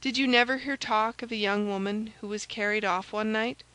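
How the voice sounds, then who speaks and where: A woman voicing a gallant young gentleman soldier in a storybook, commanding and reassuring. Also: on the high side, steady tone, brisk, dry recording, rough recording. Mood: earnest, commanding.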